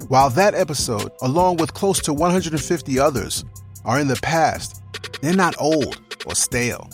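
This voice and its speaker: A man's voice: a little high, expressive, normal speed, faint music behind. A man hosting and producing a podcast, talking casually and playfully with slang and easy laughter, with stretches of scripted narration. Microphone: remote video call.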